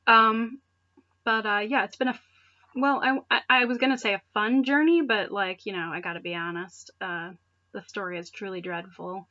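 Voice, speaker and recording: A woman's voice: mid-range voice, steady tone, moderate pace, bright, forceful tone, highs cut off. A woman reading fan fiction aloud in a mocking dramatic style, breaking off for casual, sarcastic asides. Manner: sarcastic, conversational, breaks off to comment. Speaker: reader of amateur fan fiction for videos.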